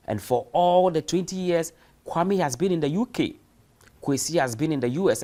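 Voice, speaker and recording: A man giving a recorded university lecture, speaking emphatically and posing rhetorical questions. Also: on the high side. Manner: emphatic, uses rhetorical questions and acted-out examples. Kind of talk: recorded distance-learning lecture.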